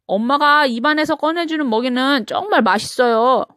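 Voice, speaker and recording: Gentle woman reading a picture book. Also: sits high, normal speed, dry recording, studio quality. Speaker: storybook reader.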